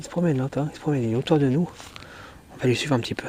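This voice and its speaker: A soft-spoken man at a very fast pace, medium pitch and ordinary pitch variation, against noticeable background noise. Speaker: nature video presenter. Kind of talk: on-location wildlife commentary.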